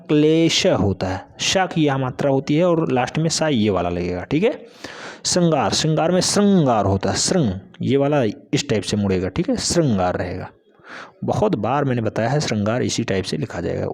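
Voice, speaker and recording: A male teacher runs an exam-prep spelling lesson, drilling each word emphatically several times and addressing his students as "beta." His voice sits in the mid range with a darkish tone.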